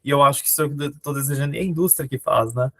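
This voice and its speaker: A man's voice: mid-range voice, rapid-fire, no echo, studio quality. A Brazilian man in a casual philosophy discussion, thinking aloud hesitantly with frequent tag questions. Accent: Brazilian Portuguese. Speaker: discussion participant.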